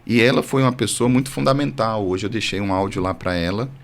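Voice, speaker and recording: A man's voice: on the low side, quick pace. Earnest priest telling his story in a studio. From Brazil, born in Salvador. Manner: earnest, animated storytelling with light humor. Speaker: priest, podcast guest. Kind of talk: testimony in casual conversation. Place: podcast studio.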